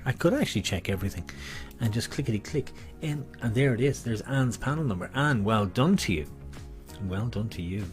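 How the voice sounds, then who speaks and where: Guy calling bingo, chatty and jokey, really up and down voice, bit of music behind him. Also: on the low side. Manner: chatty, jokey, repeats himself. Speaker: bingo caller and host. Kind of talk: lively bingo calling with playful rhyming number nicknames, chatting to online players.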